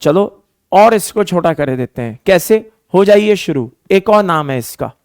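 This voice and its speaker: Slow, clear-voiced male chemistry teacher. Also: sits high, animated, a little mellow, no room sound, studio quality. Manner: slow dictation, repeating terms for students to write; calls students "beta", patient and explaining. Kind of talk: online lecture mixing Hindi and English.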